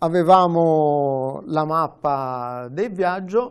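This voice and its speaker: A speaker with a Tuscan accent uses ordinary pitch variation over a quiet background. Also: man. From Tuscany, Arezzo province; Tuscany. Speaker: cycling tour guide. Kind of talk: interview. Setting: studio. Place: studio. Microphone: lapel.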